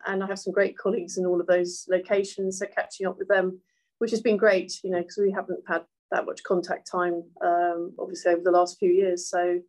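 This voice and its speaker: A woman's voice: medium pitch, poor audio. A middle-aged woman who grew up in Hong Kong, talking thoughtfully in a casual interview, with many ums and uhs. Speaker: guest, hotel valuation executive.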